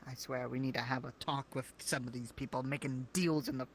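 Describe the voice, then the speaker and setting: A man's voice: mid-range voice, steady tone, brisk, fairly bright tone, slight background noise. A man playing a distrustful, indignant town survivor in an improvised fantasy roleplay, theatrical and accusatory. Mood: exasperated.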